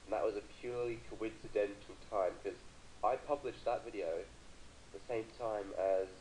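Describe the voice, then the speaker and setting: Dry-witted British man, lowish voice. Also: fairly even intonation, normal speed, a little mellow, slight background noise, rough recording. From Britain. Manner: dry teasing banter. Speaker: co-commentator on a call. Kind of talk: casual chat.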